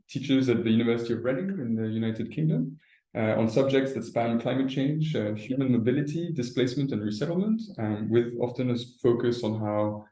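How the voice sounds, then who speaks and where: A man's voice: medium pitch, warm tone. A man moderating an online session, introducing speakers hesitantly with many fillers over a video call. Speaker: webinar moderator. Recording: echoey room on a video call.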